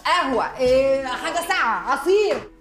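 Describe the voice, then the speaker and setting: An actress playing a cunning young fortune-teller, soothing and evasive, with an Egyptian Arabic accent. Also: female voice, high-pitched, lively intonation, a bit bright, a little hiss or hum. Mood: placating. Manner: soothing, evasive, fast-talking. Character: cunning young woman fortune-teller dodging an angry client. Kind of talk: comedic TV drama acting.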